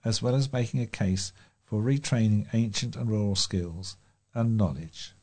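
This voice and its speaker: A man's voice: on the low side, normal speed, darkish tone. A man reading local news stories aloud as a volunteer reader.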